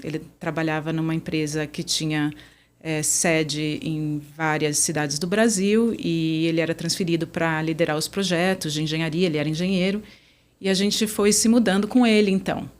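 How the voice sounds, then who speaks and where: A woman's voice: low-pitched, steady tone, normal speed. A woman from Brazil, a conference interpreter, chatting as a podcast guest and telling stories in a friendly, easygoing way. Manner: chatty, warm storyteller. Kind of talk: casual interview chat.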